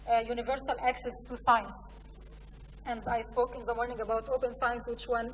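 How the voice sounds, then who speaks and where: Higher-voiced Egyptian woman presenting in echoey hall. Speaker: conference speaker, science programme representative. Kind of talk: conference presentation with slides. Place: large conference hall, indoors. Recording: echoey hall, distant mic, faint noise.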